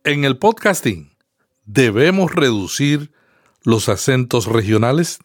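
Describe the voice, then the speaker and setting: A man's voice: mid-range voice, lively intonation, slow pace, dry recording, clean studio sound. A man interviewing a guest, asking formal, carefully framed questions.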